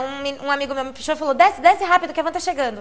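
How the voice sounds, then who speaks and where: A woman talks very fast at a high pitch. Background noise is noticeable. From interior of São Paulo state, Mogi Mirim. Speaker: podcast co-host. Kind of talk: casual chat.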